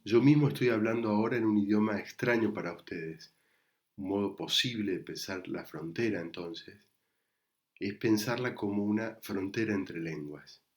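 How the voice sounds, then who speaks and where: A man with an Argentine Spanish accent, a psychoanalyst giving a prepared talk recorded remotely in a measured, reflective way. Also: on the low side. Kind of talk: prepared lecture read to camera. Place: recorded remotely, not in the event hall.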